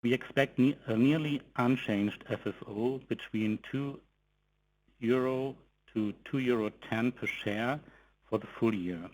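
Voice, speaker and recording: A man giving a formal, measured corporate presentation, reading from a script in short phrases as an executive on an investor call. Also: mid-range voice, rough recording. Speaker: company executive presenting financial results.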